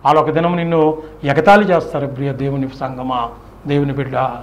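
A man's voice: medium pitch, fairly even intonation, a little fast, lo-fi sound. A man preaching a fervent Christian sermon in an emphatic, exhorting manner built on repeated phrases and rhetorical questions.

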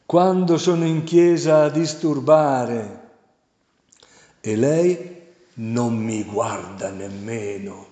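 A man voicing a raging, hateful male demon who rants in a shrill, strained voice. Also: animated, drawn-out words, mellow. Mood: hateful, agitated. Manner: shrill, strained ranting with repeated outbursts. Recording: roomy, reverberant hall sound.

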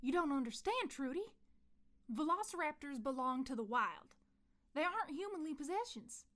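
A woman's voice: high voice, sing-song, normal speed, fairly bright tone. A woman playing a scheming, grandiose scientist villain in a comedic audio drama. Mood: smooth persuasion. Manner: grandiose, falsely reassuring, blunt. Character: scheming, theatrical female velociraptor scientist villain.

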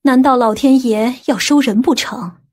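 A woman voicing fretful, excitable women of a wealthy family in an audiobook. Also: high-pitched, moderate pace. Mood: fretful, complaining. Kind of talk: audiobook character dialogue.

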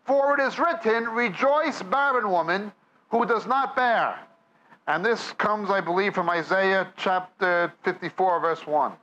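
High bright New York preacher. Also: male voice, measured pace, dull audio. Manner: reads scripture aloud, then explains it. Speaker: Bible teacher. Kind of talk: sermon. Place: church or meeting hall with audience.

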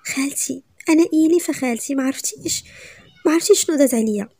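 Brief: woman playing a desperate young wife back from presumed death, storybook reading, pitched up, hoarse-edged, fast. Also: warm tone, dry recording. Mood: desperate pleading. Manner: pleading, tearful, urgent.

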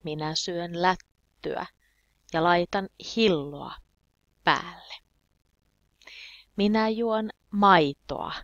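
Low gravelly woman teaching slowly. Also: fairly bright tone, dry recording, lo-fi sound. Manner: clear, deliberate teaching with repeated example phrases. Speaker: Finnish language teacher. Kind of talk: slow beginner language lesson.

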